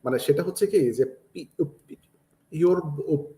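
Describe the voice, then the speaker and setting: A man asking questions in a casual debate, halting with many restarts. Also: fairly high pitch, warm tone. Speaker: discussion participant. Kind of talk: casual debate on a live stream. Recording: roomy with faint background noise.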